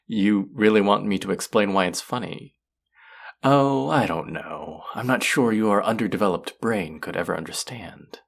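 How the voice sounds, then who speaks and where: A haughty alien buyer from a sci-fi audio drama, voiced by an actor, very low and gravelly. The delivery is condescending and amused, with theatrical swoops in pitch as it addresses a lesser creature. Every phrase is deliberate and cultured. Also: heavily acted. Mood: amused mockery. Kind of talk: audio roleplay acting addressed to the listener.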